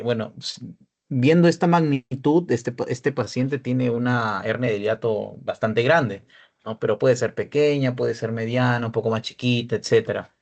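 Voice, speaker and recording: A young man delivers a radiology lecture as a peer tutor, walking through image examples step by step. His voice sits at an ordinary pitch with a rough, gravelly texture, and he keeps checking that his students are following. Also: a little mellow. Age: young adult. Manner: explanatory, checks in often with "¿ya?" and "¿no?".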